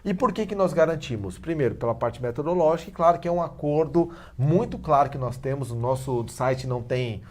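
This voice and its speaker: A middle-aged man, a guest on a talk-show interview, explaining his teaching method in an animated, persuasive way. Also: a little high, a little fast, hardly any pauses. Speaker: guest, head of a language school.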